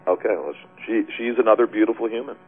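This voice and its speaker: Husky man hosting a call-in webcast. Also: fairly low pitch, quick pace, faint music behind. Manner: chatty, warm, with many fillers. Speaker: webcast host. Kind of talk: casual call-in talk. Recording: tinny phone-line sound.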